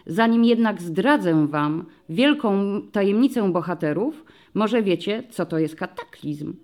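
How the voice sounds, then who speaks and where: A woman voicing a patient, friendly male police commissioner who explains things slowly to young children in an audiobook story. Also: medium pitch, lively intonation, a little mellow. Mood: explaining.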